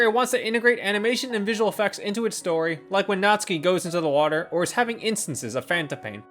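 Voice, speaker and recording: Fast, animated reviewer with lively pitch. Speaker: video game reviewer and host. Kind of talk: scripted first-impressions review narration. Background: guitar and instrumental music.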